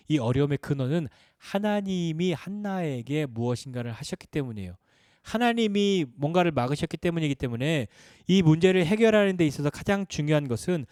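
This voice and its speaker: A man's voice: a little high, dry recording, clean studio sound. A man preaching a Sunday sermon as pastor, asking questions and answering them, his voice rising and dropping for emphasis. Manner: lively, questioning, rises and drops for emphasis.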